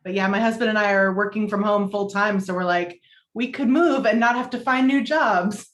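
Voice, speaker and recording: A woman speaks informally over a video call from home. Her pitch is in the middle range for a woman. Her delivery is chatty and conversational, full of casual filler words. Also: moderate pace, roomy sound. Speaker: table read participant. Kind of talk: casual chat.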